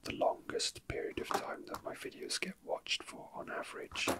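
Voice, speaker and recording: Near the microphone, a male ASMR host keeps his whisper soft and breathy. It's casual and unplanned, with a halting, hesitant flow.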